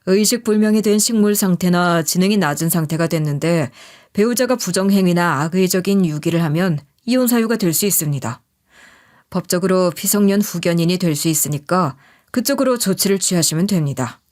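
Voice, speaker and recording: A woman's voice: lowish voice, expressive, fairly quick, darkish tone, close to an everyday voice. A woman playing a lawyer who advises a client in an audio story, speaking in a formal, explanatory way. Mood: matter-of-fact.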